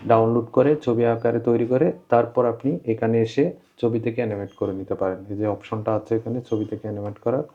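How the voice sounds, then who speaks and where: Slightly dull-sounding male tutorial presenter. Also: mid-range voice. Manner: repeats instructions, plain explanatory delivery. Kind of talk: informal step-by-step screen tutorial. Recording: dull, lo-fi voice-over.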